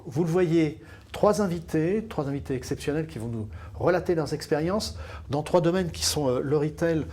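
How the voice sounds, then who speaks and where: A man hosts a live panel discussion, welcoming guests and laying out the plan in a friendly, chatty way. His voice carries a light husky grain at a middle pitch, and he pauses often to find his words. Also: darkish tone. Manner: friendly, chatty introductions with frequent hesitations. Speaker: panel moderator. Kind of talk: moderating a live panel webinar.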